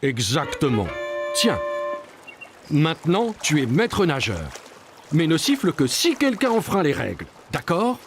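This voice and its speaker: An actor voicing a friendly, encouraging young lifeguard in a cartoon. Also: male voice, on the high side, huge pitch swings, a little slow, soft background music, full character voice.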